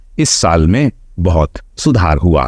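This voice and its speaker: With lively intonation, a man speaks in a dark, mellow tone, and the sound is dry and close with no echo. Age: 60s. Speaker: health and weight-loss coach. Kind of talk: personal year-in-review vlog.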